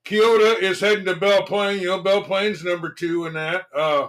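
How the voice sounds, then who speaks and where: A man chats loosely about local games as a sports show host. His voice sits a little high for a man. He trails off and starts over often. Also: brisk. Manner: relaxed, lots of fillers and restarts. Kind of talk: casual sports talk.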